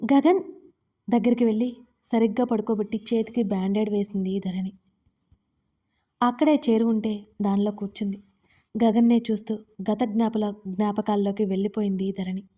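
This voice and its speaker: A woman narrating a romance story in a calm, steady reading voice. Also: medium pitch, moderate pace, long pauses.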